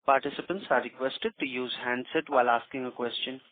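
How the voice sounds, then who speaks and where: A man's voice: medium pitch, fairly even intonation, a little fast. A man moderating a conference call with formal, polite scripted announcements. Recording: phone-like conference line.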